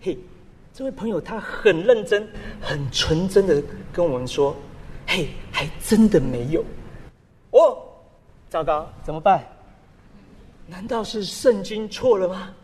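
A man preaching a sermon as a pastor, animated and full of rhetorical questions. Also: high voice, unhurried, husky, in a large hall.

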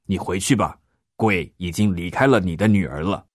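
A man voicing a calm, earnest teacher who answers a pleading woman in a storybook reading. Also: deep voice, slightly rough, no echo, studio quality, pitched below the performer's own voice. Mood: kind. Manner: earnest, measured. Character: calm, earnest male teacher of disciples, adult.

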